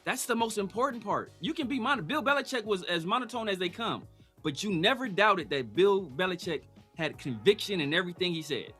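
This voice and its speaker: Emphatic, bright-voiced man arguing sports. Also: high-pitched, animated, brisk, husky, soft background music. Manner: emphatic, argumentative, talks over co-host. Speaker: podcast host. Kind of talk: casual sports talk.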